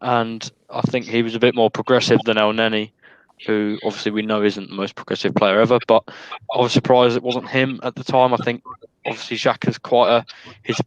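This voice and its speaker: A man giving casual post-match analysis as a fan, in a measured, tentative way. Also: medium pitch, level tone, dry recording, highs cut off. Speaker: football fan panellist.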